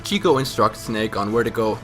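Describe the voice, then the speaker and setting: Low-voiced drunk man rambling crudely. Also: expressive, a little fast, fairly bright tone, faint music behind. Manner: crude, sarcastic. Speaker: host of a comic video game storyline recap. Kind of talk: casual comedic narration, profane and rambling.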